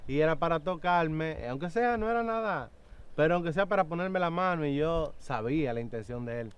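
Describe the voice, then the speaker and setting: A young man recounts his testimony in an earnest, halting way, full of fillers and little acted-out quotes. His voice sits a bit high and comes through smooth and clear. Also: lively intonation, dull audio. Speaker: guest giving testimony. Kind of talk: personal testimony in an interview.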